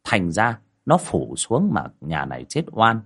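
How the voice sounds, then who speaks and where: Low-voiced guy telling a spooky story, really animated delivery. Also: a little slow, slightly rough. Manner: lively, dramatic storytelling with voiced dialogue. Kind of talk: ghost story narration.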